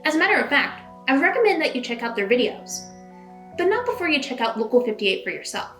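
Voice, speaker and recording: A woman's voice: high voice, very animated, quick pace, fairly bright tone. A woman hosting and narrating a scripted video essay in a conversational way, leaning into dramatic emphasis. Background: background music.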